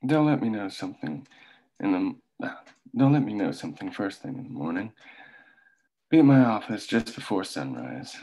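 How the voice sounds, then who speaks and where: A man's voice: lowish voice, big pitch swings, normal speed, warm tone, low-quality recording. A man reading the part of a domineering coal company boss, curt and commanding, at a script table read.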